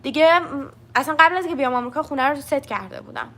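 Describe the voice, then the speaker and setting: Bright young woman teacher. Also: sits high, expressive. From Iran. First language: Persian. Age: young adult. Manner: switches between English and Persian, reads out viewer questions. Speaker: English teacher answering live chat. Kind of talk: casual live-stream Q&A.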